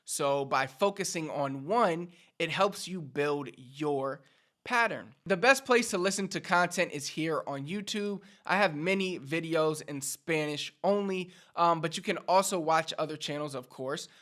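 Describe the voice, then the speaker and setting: A man's voice: fairly high pitch, measured pace, fairly bright tone. A Puerto Rican man with a Puerto Rican accent teaching Spanish to viewers in an upbeat, instructive way. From Puerto Rico. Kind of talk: direct-to-camera language lesson.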